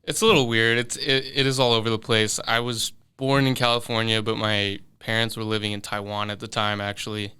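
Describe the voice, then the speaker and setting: A young man in his twenties who grew up in London talks through his answers in a relaxed, halting way, full of "um" and "like." His voice sits a little low yet sounds bright and forward. The tone is exceptionally clean and smooth. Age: 20s. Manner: relaxed, hesitant, many fillers and restarts. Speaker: guest musician. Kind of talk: casual interview answers. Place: studio.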